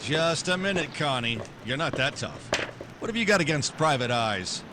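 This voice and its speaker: An actor playing a hard-boiled American private detective in 1940s noir radio style, wry, clipped and dogged. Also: male voice, a little high, expressive, moderate pace, noisy background, natural voice. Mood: pressing, tough. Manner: wry, clipped, tough-talking. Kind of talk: 1940s noir radio drama acting and narration.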